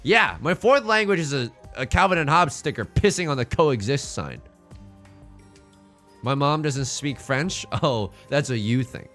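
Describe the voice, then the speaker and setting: A young man streaming from home, tired but still quick with a joke, his voice bright and lively as it jumps around his range. He swears freely and banters with chat. Faint game music plays underneath. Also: medium pitch. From born in China, raised in the United States. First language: Mandarin Chinese. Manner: quick, joking and profane, talking to chat. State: exhausted. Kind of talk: casual livestream commentary while playing a game.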